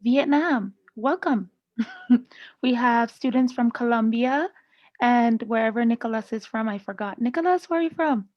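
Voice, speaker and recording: Woman teacher, friendly and talkative, slightly raised pitch, muffled video-call sound. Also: moderate pace, no echo. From Canada. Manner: chatty, laughs often, friendly with students. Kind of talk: live online class teaching.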